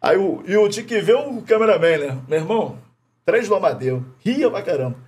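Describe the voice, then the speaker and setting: A middle-aged man from Rio de Janeiro with a Carioca accent, telling animated anecdotes full of slang, swearing and laughter as a podcast guest. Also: high-pitched, fairly quick, husky. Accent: Carioca Portuguese. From Rio de Janeiro, Brazil. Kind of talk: casual chat, storytelling. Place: podcast studio.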